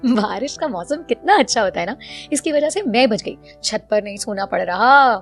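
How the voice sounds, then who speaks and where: A woman's voice: fairly high pitch, lively intonation, moderate pace, faint music behind. Woman doing a fretful young daughter-in-law. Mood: cheerful. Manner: complaining, fretful. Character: young daughter-in-law, weary, sleep-deprived. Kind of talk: animated story voice acting.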